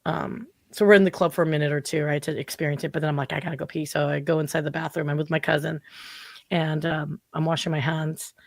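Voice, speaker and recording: Podcast guest, woman, 40s; lowish voice, dry close sound, chatty and animated, heavy on fillers. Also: fast talker, creaky, no room sound. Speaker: podcast guest, marketing consultant. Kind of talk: casual interview chat.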